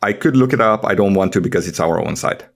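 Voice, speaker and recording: A man's voice: fairly low pitch, lively intonation, fast talker. A man chatting casually as a podcast co-host, in a grumbling, skeptical manner. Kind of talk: casual panel chat.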